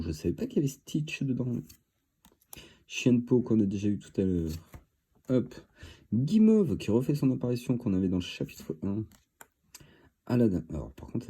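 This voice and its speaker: Guy with a cold opening card packs, low dark husky voice, chatty and relaxed. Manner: chatty, relaxed, thinking aloud with many fillers. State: stuffy from a cold. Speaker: card-opening video host. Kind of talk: casual commentary while opening card boosters.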